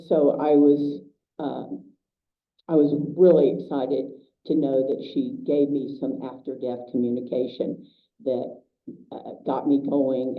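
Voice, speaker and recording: A woman hosting a local meeting, chatty and hesitant with many fillers, with a loud voice. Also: a bass voice. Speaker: meeting host. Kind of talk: casual announcements to a small group. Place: meeting room. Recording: tinny, echoey, from far off.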